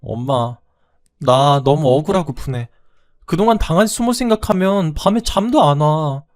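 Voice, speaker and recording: Guy doing a young widow in a radio story, high voice, pleading and indignant. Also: animated, moderate pace, darkish tone, soft background music, lightly acted. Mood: tearful. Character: wronged young widow, daughter-in-law, tearful defiance.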